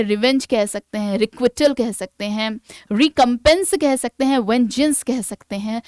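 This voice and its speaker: A woman teaching English vocabulary in Hindi mixed with English, asking the class questions and reading definitions aloud slowly in an Indian English accent. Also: fairly high pitch, clear, resonant tone, no room sound, studio quality. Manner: asks the class rhetorical questions. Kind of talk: online exam-prep lesson.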